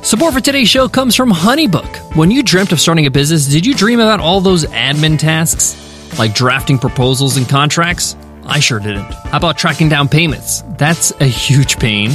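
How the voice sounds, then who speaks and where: A man's voice: fairly high pitch, lively intonation, moderate pace, a bit bright. A man hosting a business podcast, reading a sponsor ad with upbeat, salesy energy, then wrapping up the lesson. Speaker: podcast host. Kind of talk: podcast ad read and lesson wrap-up. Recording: faint guitar music behind. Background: faint guitar music.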